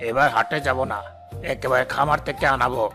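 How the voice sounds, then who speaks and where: Hashem: bragging rich villager. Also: male voice, mid-range voice, steady tone, fairly quick, sharp tone, soft background music. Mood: boastful. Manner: bragging, brash, domineering. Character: boastful wealthy middle-aged village man, show-off. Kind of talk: cartoon voice acting.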